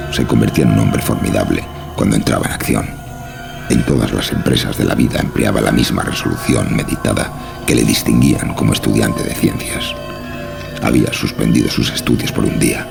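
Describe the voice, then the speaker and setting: A man narrating a scripted horror story in a measured, solemn way. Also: rumbling low, gravelly.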